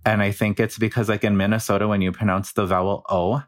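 A man's voice: on the low side, little pitch movement, fast, dry recording, studio quality. A man from New Mexico with a New Mexico Chicano English accent, earnestly explaining speech patterns as a researcher with many fillers. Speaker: linguistics researcher guest. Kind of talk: explanatory interview talk.

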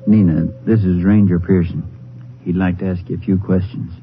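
An actor playing a folksy, plain-spoken Texas sheriff in 1950s American radio drama, talking in clipped, informal phrases. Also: male voice, sits low, steady tone, normal speed, music in the background, lightly acted. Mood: sober. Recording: dull, noisy vintage radio recording.

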